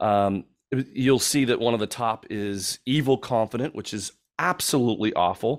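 A man talks at a moderate pace in a medium pitch with ordinary pitch variation. The recording is very clean, with a silent background. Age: 50s. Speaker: YouTube creator on personality types and AI. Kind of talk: casual interview chat with demonstration. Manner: halting, many fillers.

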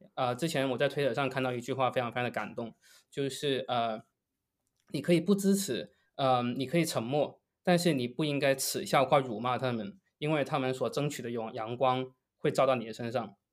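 A man talks at a moderate pace in a normal speaking voice, his pitch medium with ordinary variation. The recording is very clean, with a silent background. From Guangdong, China. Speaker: podcast guest, tech helper. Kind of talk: casual chat.

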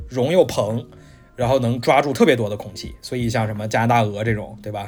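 Over music in the background, a man talks with a northeastern Chinese accent. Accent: noticeable northeastern Chinese. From northeastern China, Harbin. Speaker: film and TV worker, outdoor gear enthusiast. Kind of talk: casual chat.

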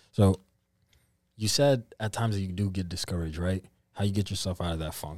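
The speech runs at a very fast pace with ordinary pitch variation on a very clean recording with a silent background. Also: man. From Ghanaian and Ivorian heritage. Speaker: podcast host. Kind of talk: casual chat.

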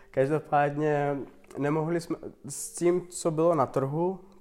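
A man with a non-native accent speaks at a fairly high pitch and moderate pace, his intonation fairly even. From Turkmenistan. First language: not Czech (speaking Czech). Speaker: hookah tobacco brand founder. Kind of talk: casual interview. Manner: halting, many fillers.

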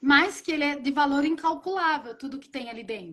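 A woman speaks with a high pitch in a raised, projected voice. Her pace is moderate. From Brazil, São Paulo state interior. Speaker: novelist. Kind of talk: casual interview.

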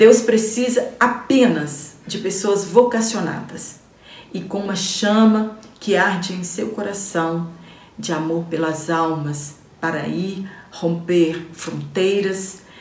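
In a room with audible echo and noticeable background noise, a woman speaks at a very slow pace with ordinary pitch variation. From Minas Gerais, Brazil (Curvelo). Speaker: Bible school teacher. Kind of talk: Bible lesson lecture.

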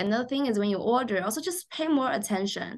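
Over a quiet background, a woman with a Chinese accent speaks with ordinary pitch variation. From Shanghai, China. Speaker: traditional Chinese medicine food therapist and dietitian. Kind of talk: casual interview conversation.

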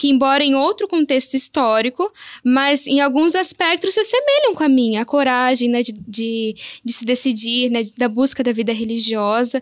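A woman's high voice carries lively intonation as she talks at a moderate pace. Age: 20s. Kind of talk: casual discussion.

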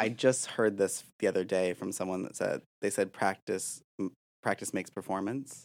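A man with an American accent and a plain, everyday voice speaks at a moderate pace, fairly low in pitch with fairly even intonation. The recording is very clean, with a silent background. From northern Michigan, US. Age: 20s. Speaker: coach and podcast host. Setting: studio.

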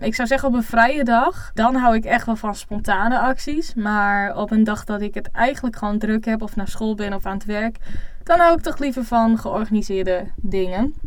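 An unremarkable speaking voice moves at a moderate pace with ordinary pitch variation and hardly any pauses. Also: woman. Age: 20s. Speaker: podcast host. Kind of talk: solo Q&A podcast. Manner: casual.

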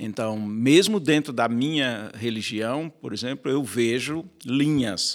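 Pitch moves in an ordinary way through a normal speaking voice. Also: man. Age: 60s. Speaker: spirituality expert. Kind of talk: panel discussion.

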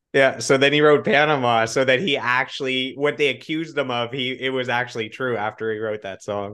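Against a quiet background, a man with a Canadian accent speaks at a fairly quick pace with hardly any pauses, using a medium pitch, fairly even intonation, and a bright, sharp tone. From Eastern Ontario, Canada. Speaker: podcast host. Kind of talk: casual interview. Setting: video call.

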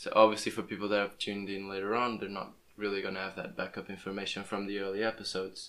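A man in a Portuguese accent, very fast and with hardly any pauses, fairly low-pitched, with monotone, flat intonation. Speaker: podcast host. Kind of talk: casual interview chat.

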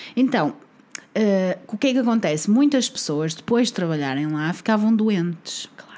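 With a European Portuguese accent, a woman speaks at a fairly slow pace in a medium pitch, her voice swinging very widely in pitch and greatly in loudness. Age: 20s. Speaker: podcast host. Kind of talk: casual storytelling chat.

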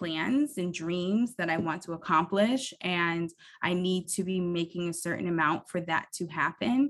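A woman with an American accent speaks with ordinary pitch variation against a quiet background. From Buffalo, New York (born Toronto). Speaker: communications professional. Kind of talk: casual interview.

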